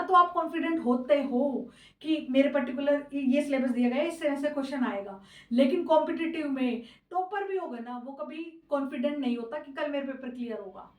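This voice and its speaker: High-voiced woman teacher, echoey room. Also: distant mic. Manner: scolding yet affectionate, calls students "beta", mixes English words. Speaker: exam coaching teacher. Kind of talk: casual classroom lecture.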